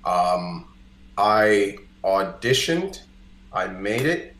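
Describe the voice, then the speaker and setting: Very animated and drawing out his words, a Costa Rican singer-songwriter chats as a podcast guest, telling stories about himself. He's a native Spanish speaker with a fairly low, fairly bright voice who sprinkles in plenty of "like" and "you know." The indoor sound is roomy and echoey.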